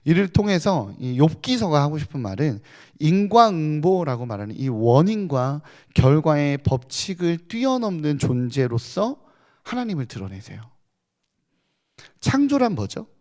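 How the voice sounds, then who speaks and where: A male pastor preaches at a late-night prayer meeting in an easy, talking-to-you way. His pitch rises and falls a great deal, and he often throws rhetorical questions at the congregation as he walks through scripture. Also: big pitch swings, unhurried, mellow.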